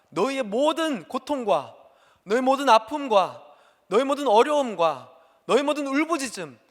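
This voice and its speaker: A man voicing Moses as a commanding leader proclaiming to his people. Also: high voice. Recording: long hall reverb.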